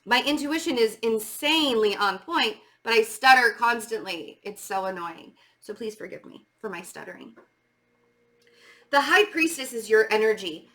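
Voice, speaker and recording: Bright, high-voiced woman giving a tarot reading. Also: lively intonation, normal speed. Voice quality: stammering. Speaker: tarot reader. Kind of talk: casual spiritual tarot reading to viewers.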